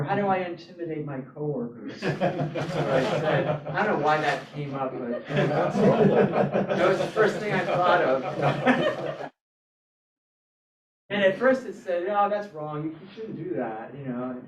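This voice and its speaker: A man giving a casual live demo at a club meetup, halting and thinking aloud as he goes. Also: fairly high pitch, lively intonation, background noise. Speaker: presenter at a robotics club meetup. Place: indoor hybrid club meeting, away from mic. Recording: roomy, distant, dull meeting-room sound.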